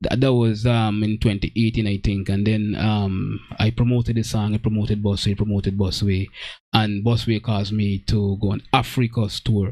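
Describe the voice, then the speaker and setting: A man's dark, mellow voice, monotone and flat, at very even loudness in a very clean recording with a silent background. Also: fairly low pitch for a man, moderate pace. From Guyana. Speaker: reggae artist. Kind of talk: interview. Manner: halting.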